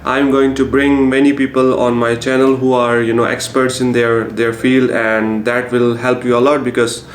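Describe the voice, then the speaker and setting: Flat-toned Pakistani-accented man, echoey room. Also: medium pitch, normal speed. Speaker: YouTube host and Amazon business instructor. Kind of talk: casual talk to camera. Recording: echoey room with faint noise.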